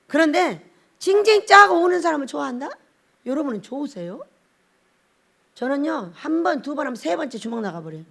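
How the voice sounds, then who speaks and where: A woman's voice: sits high, fairly bright tone. A woman pastor giving a blunt, scolding sermon and acting out little scenes as she preaches.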